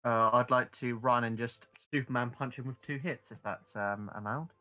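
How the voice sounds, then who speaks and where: A man's voice: medium pitch, steady tone, normal speed, sharp tone. A man playing a tabletop game as a player, talking casually with lots of swearing. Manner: crude, swearing, boisterous.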